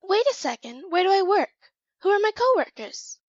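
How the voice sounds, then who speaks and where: Casting: wide-eyed newborn clone played by a woman, high and earnest, dry muffled audio drama sound. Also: sing-song, normal speed, dry recording. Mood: uncertain, curious. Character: eager, naive young female clone.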